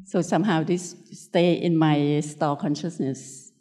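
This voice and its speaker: A Thai woman speaks as a Buddhist nun giving a spiritual teaching, with a Thai accent in her English. Her voice is low and mellow, and she moves slowly through short, simple phrases. The delivery is gentle and unscripted. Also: steady tone. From Thailand.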